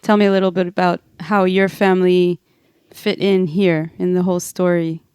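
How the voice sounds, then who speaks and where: A woman in her thirties from Israel hosts a podcast with a smooth, clear, resonant voice. She is recorded close and dry, with no room sound. Her scripted intro is earnest, and her conversation afterward is relaxed and chatty. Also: fairly low pitch, moderate pace, no echo. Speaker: podcast host. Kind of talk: scripted intro and casual interview.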